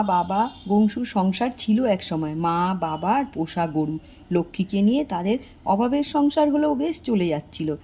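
An older woman with a warm, slightly rough voice narrates a homely village story. She briefly lifts her pitch to voice the characters' lines.

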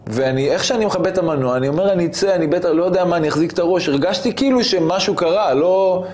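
A man as an interview guest, telling a personal story in an animated way and acting out the scenes he describes. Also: sits high.

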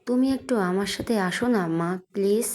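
A woman's voice: mid-range voice, normal speed, darkish tone, lightly acted. Woman reading as a flustered young husband. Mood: defensive. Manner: stammering, defensive, pleading. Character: flustered young husband, hot-tempered but sheepish.

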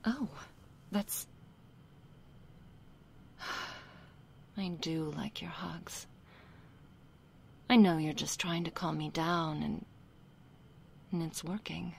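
A woman voicing a nervous, sheepish young succubus in a soft, hesitant ASMR role-play. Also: low-pitched, extremely slow, pauses often, slight background noise, exaggerated voice. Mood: sheepish, affectionate. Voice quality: soft, husky, breathy. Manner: hesitant, flustered, succubus-like soft intimate delivery. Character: nervous young female succubus, reluctant, sheepish, affectionate daughter.

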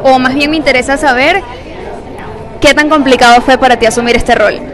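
An upbeat woman reporter asks eager questions into a handheld mic. Her voice is high, and crowd chatter carries behind her. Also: fairly even intonation, fairly quick. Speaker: entertainment reporter. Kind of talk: red carpet interview. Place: premiere red carpet, indoors.

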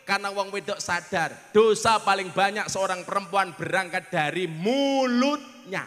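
A man with a Javanese accent preaching a humorous sermon to a crowd, delivering punchy punchlines and bursting into shouts. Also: sits high, measured pace, big-room sound.

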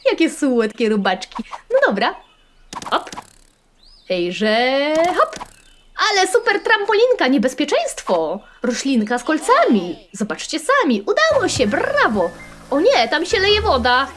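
A woman with a Polish accent hosting a gaming channel, narrating a browser game playfully and excitably, with sudden squeals and sing-song chants. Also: high voice, measured pace, slight background noise.

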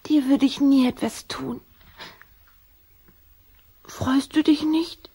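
A bold little vampire girl in a children's audio drama. The voice is high and girlish, eager and full of affection. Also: fairly even intonation, takes it slowly, warm tone. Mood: eager, affectionate.

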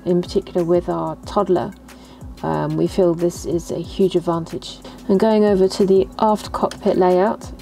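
A young adult woman calmly explaining boat layouts in a measured voice-over, with some fillers. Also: fairly low pitch.

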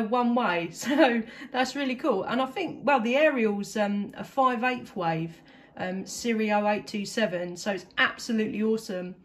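A woman with an English accent chatting casually as a CB radio operator, enthusiastic and talkative. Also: on the high side. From England. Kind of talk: casual two-way radio chat.

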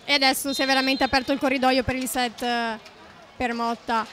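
A woman's voice: high voice, little pitch movement, fairly quick, fairly bright tone, a little hiss or hum. A woman giving live play-by-play commentary on a volleyball match.

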